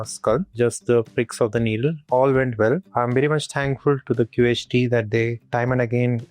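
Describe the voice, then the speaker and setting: A man with a Kashmiri Indian accent gives a casual video testimonial as a patient, speaking in a halting, repetitive way. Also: mid-range voice, a little mellow, no echo. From Srinagar, Kashmir, India.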